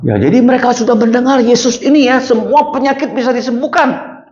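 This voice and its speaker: Man, Sunday school teacher, lively pitch, roomy lo-fi recording, quizzes kids. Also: a little fast. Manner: asks the class many questions, animated storytelling. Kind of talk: Bible lesson for children. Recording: roomy, dull lo-fi sound.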